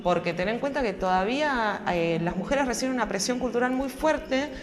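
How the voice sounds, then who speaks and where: A woman's voice: a little high, expressive, normal speed. A woman commenting in a documentary interview, conversational, wry and critical. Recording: long hall reverb.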